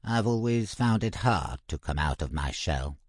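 A man reading a storybook aloud, voicing a shy, lonely male hermit crab who speaks quietly and gently. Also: low-pitched, animated, normal speed, breathy edge, no echo, studio quality. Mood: gentle.

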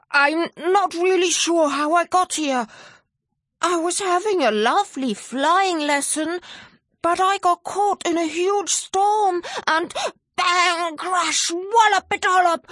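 A woman voicing a clumsy, friendly young dragon who babbles and stammers in a high, tearful voice. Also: slow pace, fairly bright tone, dry recording, clean studio sound, exaggerated voice.

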